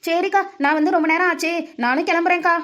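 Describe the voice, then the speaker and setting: Cartoon gossip lady by a woman, squeaky high and agreeable. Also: fairly even intonation, quick pace, sharp tone, highs cut off. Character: gossiping village neighbour woman. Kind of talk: cartoon voice acting.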